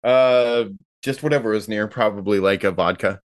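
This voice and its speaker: Tabletop player, medium pitch, laconic, informal, dry close recording. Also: normal speed, no room sound. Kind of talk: casual game chat, describing character actions.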